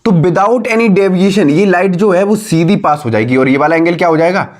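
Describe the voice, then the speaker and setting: A man teaching a physics lesson to schoolchildren, asking them questions, repeating key terms and dictating notes slowly. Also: high voice, darkish tone. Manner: calls students "बेटा", "बच्चों". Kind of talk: classroom lesson.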